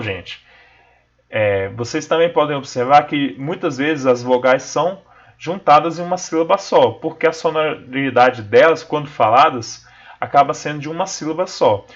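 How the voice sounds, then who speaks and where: A man's voice: a little high, a bit bright. A man teaching a literature lesson, explaining a poem to viewers and checking in with them often. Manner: explanatory, addresses viewers as "gente", frequent "né?" and "tá bom?". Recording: slightly dull lo-fi sound.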